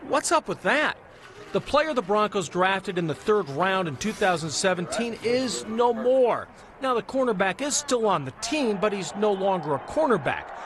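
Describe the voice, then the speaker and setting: A man narrates a sports report in a high, swooping voice with dramatic phrasing. There is clear noise behind him. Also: sing-song, moderate pace.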